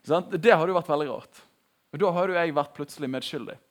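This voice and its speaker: A young man giving a casual, animated sermon in a conversational tone. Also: on the high side. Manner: conversational, animated, laughing at his own jokes. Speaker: preacher.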